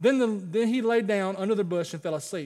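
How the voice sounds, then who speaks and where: A high-pitched man speaks with a Southern US accent and a passionate tone. His pace is very fast, with ordinary pitch variation. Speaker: campus pastor. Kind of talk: sermon. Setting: church. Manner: fast talker, passionate.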